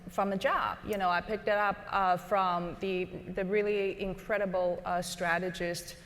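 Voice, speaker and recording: A woman's voice: mid-range voice, level tone, normal speed, a bit bright. A woman design partner speaking on a live panel, hesitant and full of restarts as she gathers her thoughts. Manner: hesitant, many restarts and fillers. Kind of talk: unscripted panel talk. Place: conference stage. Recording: reverberant live conference hall.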